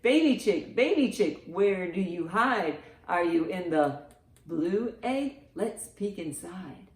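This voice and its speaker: A woman's voice: fairly low pitch, lively intonation, takes it slowly. A woman hosting a children's storytime, reading and chanting rhymes in a sing-song, encouraging way for young children. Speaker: children's librarian, storytime host. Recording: roomy, echoing sound.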